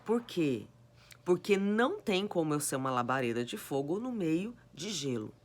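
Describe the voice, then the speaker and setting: A woman preaching a sermon with a hoarse, cracked voice, exhorting her listeners with repeated rhetorical questions. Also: deep voice, very animated, moderate pace. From Brazil. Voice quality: raspy, cracked voice.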